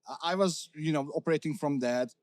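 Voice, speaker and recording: A man's voice: fairly high pitch, a little fast, no echo. A middle-aged man from Hungary, a company CEO talking candidly in an interview, with many fillers and restarts. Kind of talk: casual interview talk.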